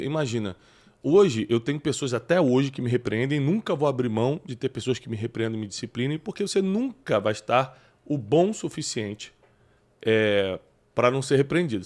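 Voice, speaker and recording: A man with a Brazilian Portuguese accent hosts a podcast conversation, speaking emphatically in a preacherly way and citing scripture. His voice is mid-range with a darkish tone.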